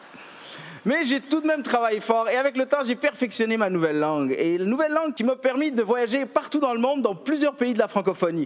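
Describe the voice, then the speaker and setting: Over noticeable background noise, a man with extremely high pitch and lively intonation talks at a fairly quick pace. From Quebec (immigrant child). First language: not French (speaking French). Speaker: comedian. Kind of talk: stand-up. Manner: animated.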